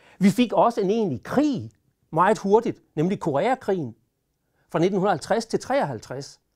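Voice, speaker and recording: Against a quiet background, a man speaks at a very slow pace, his high pitch swinging very widely. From Denmark, Silkeborg (central Jutland); Denmark. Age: 50s. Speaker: history lecturer. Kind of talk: lecture. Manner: halting, many filler sounds. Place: studio. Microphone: lapel.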